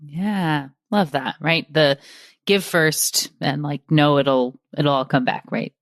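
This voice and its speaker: A woman's voice: deep voice, steady tone, slow, dry recording, clean studio sound. A woman hosting a podcast, upbeat and encouraging, closing the show with a scripted wrap-up. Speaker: podcast host.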